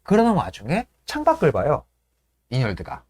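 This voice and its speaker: A man's voice: mid-range voice, dry recording. A man hosting a casual show, retelling the scenes of a play and acting out the lines of its characters. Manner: lively, breaks into laughter and apologizes; acts out lines in quick voices. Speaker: host.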